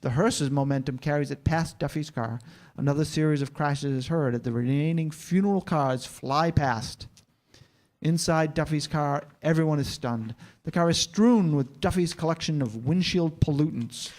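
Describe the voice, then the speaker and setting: A man reads scripted stage action as a narrator. His voice sits slightly high for a man, describing scenes in the present tense for a staged reading. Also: normal speed, darkish tone.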